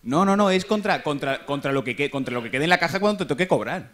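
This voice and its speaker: A man putting a question from a conference audience, insistent, with halting repetitions as he debates. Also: on the high side, expressive, fairly bright tone.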